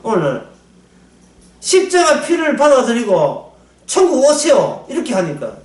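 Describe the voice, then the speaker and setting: Animated male Bible teacher, high bright pitch, recorded at a distance in a roomy hall. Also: a little slow. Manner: animated, acts out quotes, laughs often. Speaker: Bible lecturer. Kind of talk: sermon-style Bible lecture. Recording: echoey room, distant mic.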